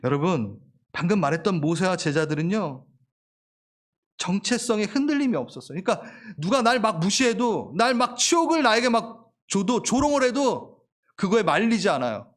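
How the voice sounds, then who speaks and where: A middle-aged male pastor delivering a sermon in a fairly high voice that swings widely in pitch. He is animated and playful, slipping into little acted-out quotes and laughing along with his own jokes. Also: moderate pace.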